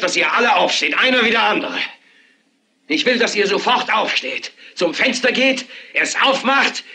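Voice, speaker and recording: Brief: a furious TV anchor, high bright voice, raspy, impassioned. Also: male voice, full character voice. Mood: urgent, rising. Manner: impassioned, building to a shouted rant. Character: fed-up male TV news anchor ranting on air. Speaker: dubbing actor. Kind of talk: dubbed film acting.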